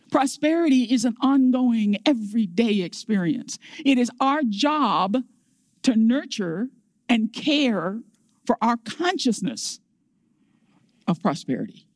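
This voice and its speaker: A woman with an American accent and a high pitch speaks at a very slow pace with long, frequent pauses. Her intonation is lively, her loudness very even, and the sound dry and close with no echo. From Virginia, US. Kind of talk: sermon. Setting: church service.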